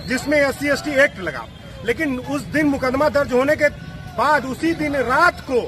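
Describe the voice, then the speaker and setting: Very high-pitched man making an emphatic protest statement. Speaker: activist speaking to camera.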